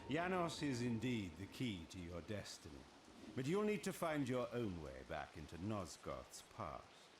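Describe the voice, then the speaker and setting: An actor playing a scheming ancient vampire lord in a video game, with a grave, deliberate, theatrical delivery. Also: male voice, on the low side, huge pitch swings, echoey room, noisy background. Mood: grave warning. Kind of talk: dramatic video game voice acting.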